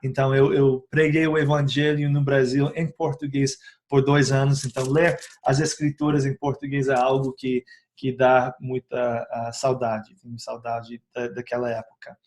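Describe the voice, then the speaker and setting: A man speaking a learned second language in a casual teaching video about essential oils, pausing often on filler sounds, correcting himself and checking in with the viewer. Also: medium pitch, flat delivery, a little mellow. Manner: hesitant, frequent filler sounds and tag questions.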